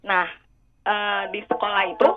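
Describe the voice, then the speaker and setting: A woman's voice: mid-range voice, level tone, a little slow. Young woman calling in, muffled phone. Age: young adult. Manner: hesitant, many fillers. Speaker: caller. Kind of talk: phone-in question. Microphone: telephone.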